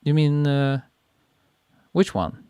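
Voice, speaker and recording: Relaxed man chatting on a live stream. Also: fairly high pitch, takes it slowly, smooth, no room sound. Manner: relaxed, chatty, laughs easily, reads comments aloud. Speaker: photographer hosting a live stream. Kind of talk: casual live-stream chat reading viewer comments. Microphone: podcast mic on a boom arm.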